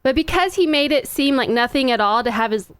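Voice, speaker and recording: High-pitched, lively young-sounding woman co-host. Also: brisk, clean tone. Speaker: show co-host. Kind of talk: casual joking podcast banter. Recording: music bed under voice. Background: background music.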